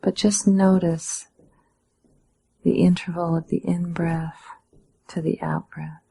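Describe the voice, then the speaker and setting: A woman meditation teacher giving calm, measured guided instruction in a breathy, slightly husky voice, with gentle pauses. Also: lowish voice, poor audio.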